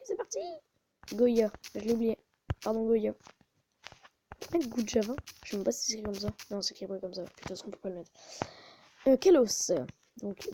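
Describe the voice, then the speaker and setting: A woman's voice: medium pitch, background noise. A woman hosting a casual gaming video, muttering to herself and often stopping to correct herself, recorded on a phone. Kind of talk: casual gameplay commentary.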